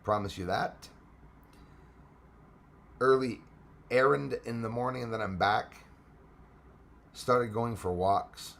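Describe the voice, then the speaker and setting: A middle-aged man from Quebec hosts a relaxed live stream, greeting viewers and reading their comments aloud. He speaks with a Québécois French accent in a voice of ordinary male pitch, and laughs easily between remarks. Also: slow pace, creaky, pauses often. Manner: chatty, laughs often, switches between English and French.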